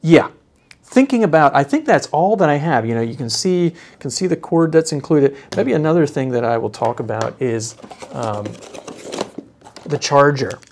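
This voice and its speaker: A man giving a casual, unscripted product demonstration, speaking haltingly as he thinks aloud. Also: on the high side, lively intonation, darkish tone.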